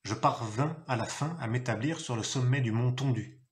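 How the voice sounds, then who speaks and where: A man reading a novel aloud, telling it expressively and acting out a gruff father's shouted lines. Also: medium pitch, moderate pace. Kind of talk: literary reading.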